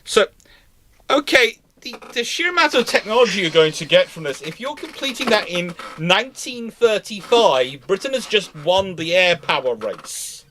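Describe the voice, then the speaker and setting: A man's voice: sits high, big pitch swings, normal speed, bright, forceful tone, a little hiss or hum. A man hosting a casual live discussion with technical commentary, emphatic and often repeating words as he thinks. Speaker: host of a live naval history discussion.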